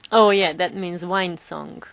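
A woman co-hosting a language podcast, cheerful and quick to laugh. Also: lowish voice, gravelly, fairly bright tone, no echo, muffled recording. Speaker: podcast co-host, native speaker. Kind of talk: casual podcast talk.

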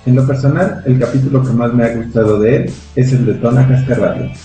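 A man's voice: medium pitch, a little fast, mellow, soft background music. A man with a Mexican Spanish accent, a podcast host reading an article aloud and trading teasing jokes. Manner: joking, teasing banter. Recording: very echoey room.

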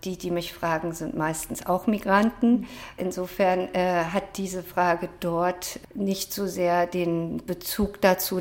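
Woman, lowish voice, academic guest, measured, thoughtful, fillers between clauses. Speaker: author and social scientist, interview guest. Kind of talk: radio interview answers.

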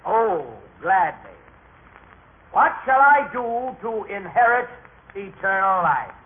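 Radio drama heckler: a clever, sneering lawyer, drawling slowly, on a tinny old recording. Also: male voice, high-pitched, expressive, breathy edge, heavily acted. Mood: smug. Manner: mocking, theatrical, drawn-out delivery. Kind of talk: vintage radio drama acting.

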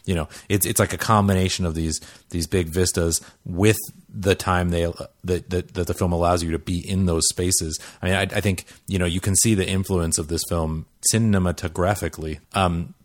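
Deep-voiced man, eager film chat. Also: fairly even intonation, normal speed, hardly any pauses, no room sound. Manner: enthusiastic, rambling with many restarts. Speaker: podcast panelist. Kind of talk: casual film discussion.

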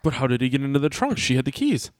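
A man's voice: mid-range voice, sing-song, very fast, no room sound. A man co-hosting a casual movie podcast, chiming in with short crude wisecracks. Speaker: podcast co-host. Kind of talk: casual movie review chat.

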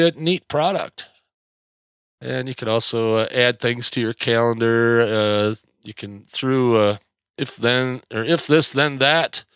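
A man's voice: mid-range voice, creaky, fairly bright tone, clear, resonant tone, no echo, studio quality. Congested American man, rambling casual podcaster. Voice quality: slightly nasal. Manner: rambling, hesitant, folksy. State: mildly congested. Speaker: podcast host. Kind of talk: casual solo podcast chat.

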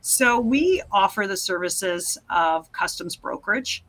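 Bright-voiced Canadian businesswoman. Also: mid-range voice, animated, unhurried. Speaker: guest, logistics professional. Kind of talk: casual interview answers.

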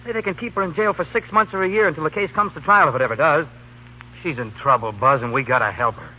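An actor playing an earnest young American law student, halting and slangy, in a 1930s radio comedy broadcast. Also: male voice, on the high side, breathy edge, phone-quality sound. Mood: urgent, earnest. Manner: halting, with casual collegiate slang. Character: earnest, boyish male law student helping a girl.

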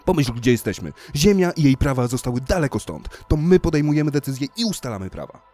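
A man's voice: mid-range voice, big pitch swings, brisk, soft background music, voice pushed up, lightly acted. A man voicing a frightened male spaceship crewman who pleads and panics, in an audiobook reading. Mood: pleading. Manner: pleading, rising to panicked shouts.

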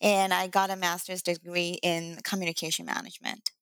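Woman, low, speaking up close. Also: level tone, brisk, fairly bright tone, clear, resonant tone, no room sound, low-quality recording. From China (Shanghai). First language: Mandarin Chinese. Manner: many "um" and "uh" fillers, earnest. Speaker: guest, startup CEO. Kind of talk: interview answers.

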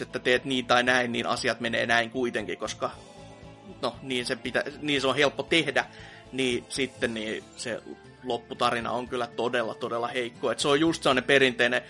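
A man's voice: mid-range voice, steady tone, sharp tone, soft background music. A man co-hosting a podcast, ranting and sarcastic, swearing and laughing in casual chat. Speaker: podcast co-host.

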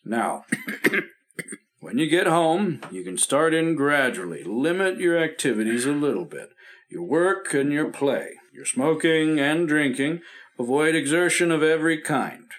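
A reassuring radio-drama doctor, gently firm with his patient; voice a touch high. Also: expressive, unhurried. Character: calm reassuring male family doctor. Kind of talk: 1950s radio drama acting.

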